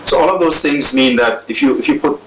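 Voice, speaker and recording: A man's voice: on the high side, a little fast, far from the mic, a little hiss or hum, poor audio. A man explaining disaster preparedness in an interview, with a few restarts.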